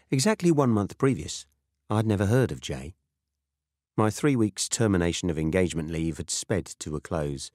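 A British man reading a first-person novel as an audiobook narrator, in a dry, measured manner. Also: sits low, darkish tone, no echo.

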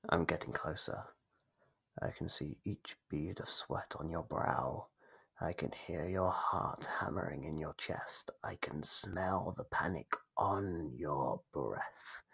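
An actor voicing an ancient, gleefully predatory monster in an ASMR horror roleplay, husky and breathy, teasing with slow menace. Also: male voice, a bass voice, fairly bright tone, exaggerated voice. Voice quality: husky, gravelly, breathy with whispers. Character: gleeful predatory monster from under the bed, centuries old.

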